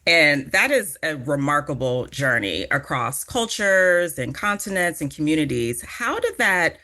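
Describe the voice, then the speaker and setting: A woman's voice: sits low, big pitch swings, a little slow, pushed and bright. A woman hosting a podcast, reading a scripted intro and then chatting casually with her guest in an upbeat way. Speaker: podcast host.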